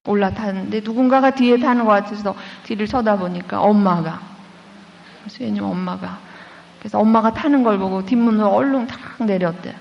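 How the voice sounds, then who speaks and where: A woman's voice: medium pitch, fairly quick, vocal fry. Nun lady telling a church story, acts out voices, muffled sound, long hall echo. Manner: lively storyteller who acts out quoted voices. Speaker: Catholic nun giving a lecture. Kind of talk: sermon-style storytelling lecture.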